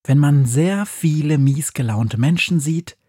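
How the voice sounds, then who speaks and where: A man's voice: a little slow, mellow, slightly rough, dry recording, clean studio sound. A man voicing a bossy, scolding little witch who hisses and nags at her brother. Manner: hissing, scolding, shrill.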